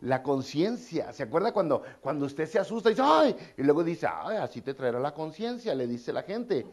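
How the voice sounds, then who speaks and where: Preaching man, fairly high. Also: big pitch swings, normal speed, a little mellow. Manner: conversational preaching with colloquial asides and repeated phrases. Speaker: pastor. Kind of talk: sermon.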